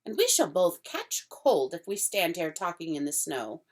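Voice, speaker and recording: A woman voicing a nervous, polite male fawn who stammers and drops into breathy whispers. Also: lowish voice, big pitch swings, moderate pace. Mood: coaxing.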